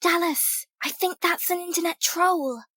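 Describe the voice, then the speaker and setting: Woman playing a high-pitched, wary young woman. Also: measured pace, pushed and bright, dry recording, heavily acted. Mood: distrustful. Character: wary, disapproving young female companion. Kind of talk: audio drama character acting.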